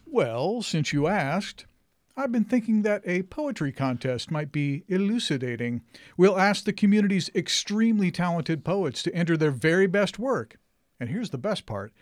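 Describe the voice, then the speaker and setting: Brief: man as a self-pleased volunteer pitching ideas, high and bouncy, dry studio sound. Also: big pitch swings, moderate pace, no room sound. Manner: earnest, a bit pompous, pleased with his own ideas. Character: cheerful male radio station volunteer with big ideas. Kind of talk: radio comedy sketch acting.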